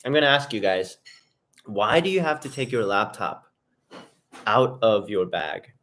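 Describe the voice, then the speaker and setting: A man's voice: on the low side, expressive, unhurried, a bit bright. Casual man hosting a live stream. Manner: loose, rambling, talks straight to viewers in chat; eats while talking. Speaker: livestream host.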